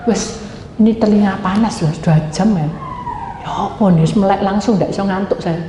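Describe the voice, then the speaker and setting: A woman pastor preaching a lively sermon full of stories and acted-out quotes. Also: medium pitch, normal speed. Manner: animated, switches into acted quotes and dialect asides. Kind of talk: sermon with storytelling. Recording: echoey hall with faint noise.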